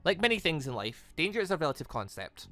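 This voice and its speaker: A gaming host voicing a calm, knowing headmaster from a visual novel, speaking in a measured, philosophical way. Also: mid-range voice, soft background music.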